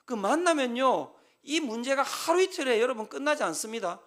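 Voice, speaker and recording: A pastor delivers a Sunday sermon in a very high voice at normal speed. He's lively and emphatic, sometimes shouting as he acts out counseling conversations.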